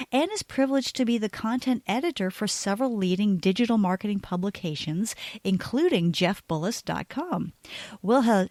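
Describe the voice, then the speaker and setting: A woman's voice: medium pitch, darkish tone, no room sound. Dry-sounding woman podcast host. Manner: brisk, reads bios smoothly, many backchannel hums. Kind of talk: scripted intro then casual interview.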